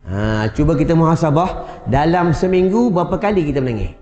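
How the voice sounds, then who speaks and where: A man with a Malaysian Malay accent giving a religious lecture in a prayer hall, conversational and joking, at times chanting drawn-out prayers. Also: a little high, expressive, warm tone, slight background noise. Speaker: religious teacher. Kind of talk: mosque lecture. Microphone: wireless mic. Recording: echoey hall, dull sound.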